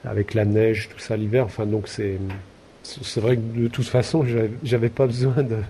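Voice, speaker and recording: A low-pitched man with a gravelly, mellow voice chats casually on a podcast. He hesitates often, stringing his thoughts together with fillers and restarts. A faint rumble sits underneath. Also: level tone, moderate pace. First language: French. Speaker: podcast co-host. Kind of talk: casual conversational chat.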